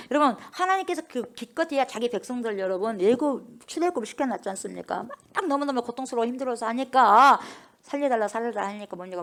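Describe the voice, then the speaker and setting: Woman pastor, sermon, fairly high voice, very lively pitch, emphatic rhetorical questions.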